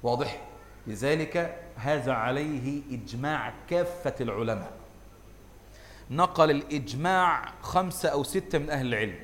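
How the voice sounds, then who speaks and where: A man's voice: medium pitch, animated, moderate pace, fairly bright tone. A man with an Egyptian accent teaching a religious lesson, constantly quizzing his listeners with rhetorical questions. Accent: Egyptian Arabic. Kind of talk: lecture on hadith scholarship. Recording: echoey hall, faint background noise.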